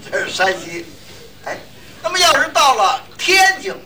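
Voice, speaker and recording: A man's voice: extremely high pitch, very animated, normal speed, crowd noise. A man acting as the straight man in a comic crosstalk routine, prompting his partner with short questions. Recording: distant mic, live audience.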